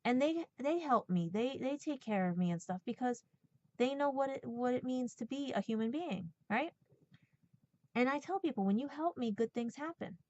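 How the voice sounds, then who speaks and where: A woman in her forties hosts a podcast and delivers a blunt, sarcastic personal rant, swearing and checking in with "right?" and "okay?". Her voice is high, expressive and a little mellow, at a moderate pace. The recording sounds dull and lo-fi.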